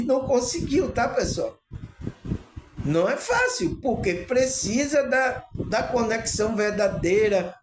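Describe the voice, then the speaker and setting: A man with a high-pitched voice delivers a rambling spiritual talk to his viewers. He often stops to check in with the audience through tag questions. The room echoes, and a faint ambient hum sits underneath. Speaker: spiritual channel host.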